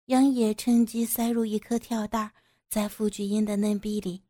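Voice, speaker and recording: A woman narrating an audio story in a steady, even storytelling manner. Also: mid-range voice, moderate pace.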